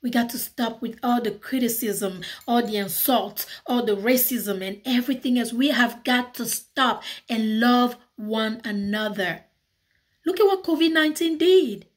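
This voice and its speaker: A woman's voice: a little high, measured pace. A woman with a Cameroonian accent, ranting passionately in a casual vlog and switching between French and English. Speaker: YouTuber. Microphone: phone.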